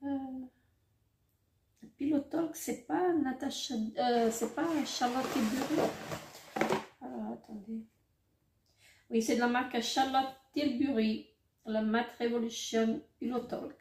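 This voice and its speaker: Middle-aged woman doing a beauty unboxing, slow, lots of ums and restarts, bit high voice. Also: steady tone, vocal fry. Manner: hesitant, many fillers and self-corrections. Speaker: beauty vlogger. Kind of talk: casual unboxing commentary. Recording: roomy echo, faint noise.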